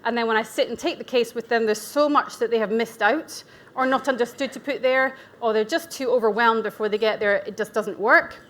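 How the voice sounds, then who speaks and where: A Scottish woman in her forties presents to a room of practitioners in a relaxed, candid way. Her voice sits a little higher than most women's. She drops in asides and pokes fun at herself. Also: a little fast. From Scotland. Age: 40s. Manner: chatty and candid, with asides and self-deprecating humour. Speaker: nutrition practitioner giving a conference talk. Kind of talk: conference presentation. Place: event venue.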